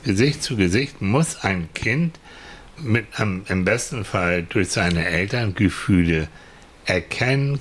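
A man with a fairly low voice chatting casually on a podcast, thoughtful and a bit halting, often repeating words as he looks for the right one. There is a faint hiss of noise behind him. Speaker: podcast co-host. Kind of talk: casual conversational chat.

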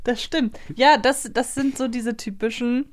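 Casting: woman podcast host, fairly high voice, casual conversational delivery. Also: fairly even intonation, unhurried, dry recording. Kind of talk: casual chat.

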